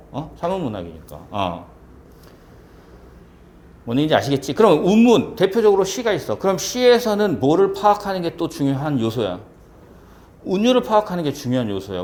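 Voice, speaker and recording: Lively Korean lecturer, animated pitch. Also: male voice. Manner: lively, asks many rhetorical check questions. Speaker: civil service exam Korean teacher. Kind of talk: classroom lecture.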